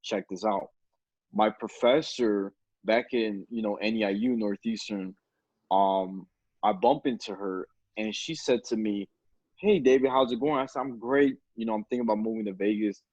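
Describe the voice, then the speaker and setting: A podcast host in his twenties chats casually over a webcam video call from a room at home, telling stories and laughing often. His voice sits lowish with a darkish tone, fairly even intonation and a moderate pace. The recording is low quality but free of echo.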